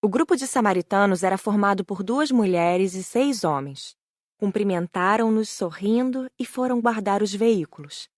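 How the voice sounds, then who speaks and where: A woman's voice: mid-range voice, animated, normal speed, darkish tone, no room sound, clean studio sound. A woman with a Brazilian accent reading a scripted first-person audiobook narration.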